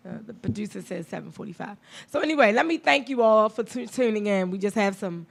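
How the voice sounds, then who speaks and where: A woman's voice: mid-range voice, fast talker, gravelly. A woman in her thirties hosting a radio talk show, chatty and blunt, laughing often. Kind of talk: casual chat.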